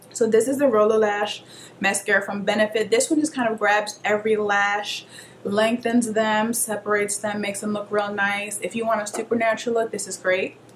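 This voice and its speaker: Over noticeable background noise, a woman talks fairly quickly in a flat monotone. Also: fairly high pitch for a woman. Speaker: beauty vlogger. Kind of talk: product recommendation tutorial. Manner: casual, chatty; fast.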